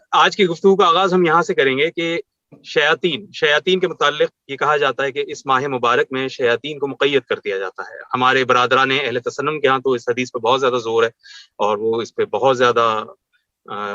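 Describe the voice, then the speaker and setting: Formal tv host guy, bright pushy voice, super polite with titles for his guest, dry dullish sound. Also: medium pitch, no room sound. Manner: courteous, formal, full of honorifics and blessings. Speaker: TV show host. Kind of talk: formal religious talk show hosting. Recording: dull lo-fi studio sound, dry.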